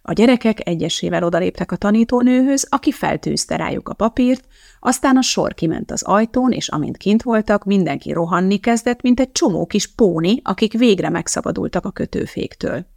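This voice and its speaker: A woman reading a novel aloud in a measured, even audiobook narration. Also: medium pitch, vocal fry, no room sound, studio quality.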